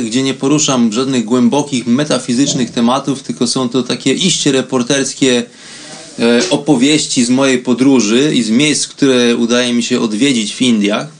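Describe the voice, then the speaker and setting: A man's voice: medium pitch, steady tone, moderate pace. Man hosting an informal, reflective radio monologue. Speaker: radio program host.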